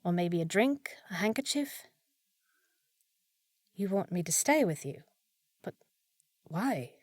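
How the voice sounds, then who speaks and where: A woman's voice: lowish voice, animated, slow pace, no echo, studio quality. A woman playing a short, fussy young village housekeeper in a fantasy audio roleplay, proper and easily flustered, scolding yet caring. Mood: shy, tender. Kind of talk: scripted fantasy audio roleplay, spoken to listener.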